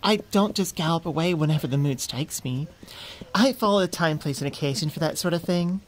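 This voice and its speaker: A woman's voice: sits low, brisk, slight background noise, close to an everyday voice, poor audio. A woman voicing an affectionate, teasing, easily flustered young centaur girlfriend in an intimate ASMR roleplay, sweet and conversational, close on the mic. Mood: sweet, cheerful. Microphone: close studio microphone.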